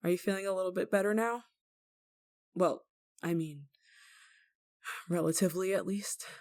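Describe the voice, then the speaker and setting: A woman playing a desperate, guilt-ridden young lover in an intimate audio roleplay, tender and anxious, with halting, stammering delivery. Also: on the low side, darkish tone, natural voice. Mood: gentle, uneasy. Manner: halting, stammering, emotionally fragile.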